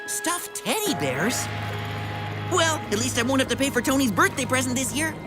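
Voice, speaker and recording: Wisecracking teen boy spy, high voice, lively cartoon intonation. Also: normal speed. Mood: wry. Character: Lee, wisecracking, laid-back teenage boy secret agent. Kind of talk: animated action cartoon acting. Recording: loud music behind the voice.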